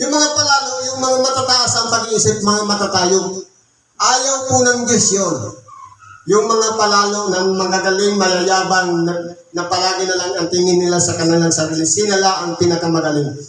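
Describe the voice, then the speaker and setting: With audible room echo around him, a man speaks at a moderate pace in a high pitch with ordinary pitch variation. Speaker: preacher. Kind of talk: sermon.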